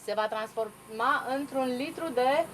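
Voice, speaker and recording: A woman's voice: high voice, noisy background. A woman interpreting a seminar aloud, hesitating and restarting as she translates. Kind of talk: consecutive interpreting.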